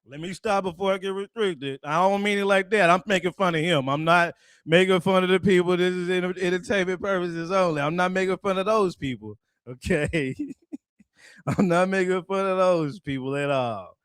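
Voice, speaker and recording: A man's voice: high-pitched, moderate pace, fairly bright tone, clean tone, dry recording, studio quality. A man giving casual, profane ranting commentary, laughing often and mocking someone.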